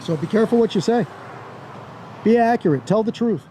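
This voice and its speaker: High-voiced man, mellow tone, giving advice. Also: lively intonation, fairly quick. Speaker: online video commentator. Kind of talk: casual advice monologue. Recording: faint car and outdoor noise.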